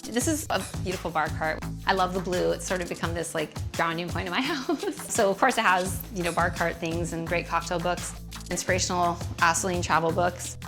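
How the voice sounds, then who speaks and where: Chatty woman with soft music. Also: fairly low pitch, brisk. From Hawaii. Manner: chatty and warm, laughs often, drifting tangents. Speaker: homeowner giving a house tour. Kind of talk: casual home tour chat.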